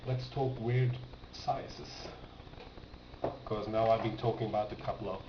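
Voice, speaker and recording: A man's voice: lowish voice, steady tone, a little slow. A man giving a casual, unscripted show-and-tell as a record collector, hesitant and rambling as he thinks aloud. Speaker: record collector presenting his finds. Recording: roomy, distant, muffled, noisy home recording.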